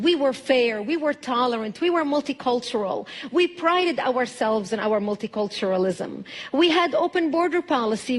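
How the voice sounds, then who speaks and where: A middle-aged woman from Lebanon, giving a testimony speech to a church audience in a measured, emphatic way with deliberate pauses. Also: high voice. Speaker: guest speaker.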